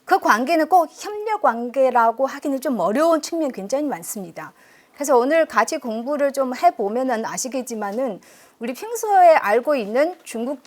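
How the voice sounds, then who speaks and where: A middle-aged woman from China with a Chinese accent in Korean, lecturing chattily and self-deprecatingly, quizzing her audience and using many fillers. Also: high voice. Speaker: university professor giving a public lecture. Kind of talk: public history lecture. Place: lecture room.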